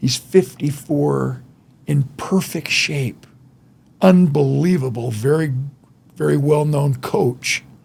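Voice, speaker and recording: This man talks at a very slow pace with a fairly high pitch. His voice is somewhat breathy, with ordinary pitch variation. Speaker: motivational speaker. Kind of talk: interview. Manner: animated.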